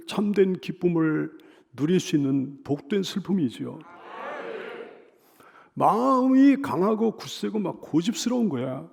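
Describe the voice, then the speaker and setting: A middle-aged male pastor preaching a sermon, swinging from loud emphatic cries to soft hushed lines, with repeated pleading phrases. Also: sits high, creaky, breathy edge. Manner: leads the congregation in call-and-repeat.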